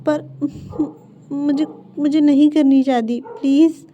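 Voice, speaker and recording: A woman's voice: high voice, fairly even intonation, slow, mellow, a little hiss or hum, voice pushed up. A woman voicing an anxious young man who stammers and pleads, in a dull lo-fi recording. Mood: pleading.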